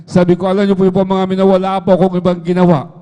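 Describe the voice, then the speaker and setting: Middle-aged man testifying in church, keeps addressing the listeners, quick and monotone delivery. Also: high-pitched, smooth. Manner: fills nearly every phrase with a repeated address to the listeners. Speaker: church member giving testimony. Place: church hall. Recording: echoey church hall livestream.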